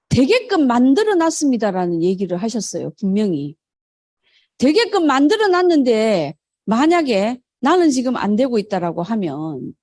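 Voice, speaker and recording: A woman's voice: on the high side, a little mellow, no room sound, clean studio sound. A middle-aged woman leading a motivational sales seminar, who poses questions to the audience, answers them herself, and acts out quoted phone calls. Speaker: network marketing sales leader.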